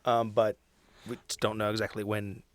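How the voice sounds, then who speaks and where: A man's voice: fairly low pitch, flat delivery, moderate pace, no echo. A man chatting casually as a podcast host and tabletop player, friendly and upbeat.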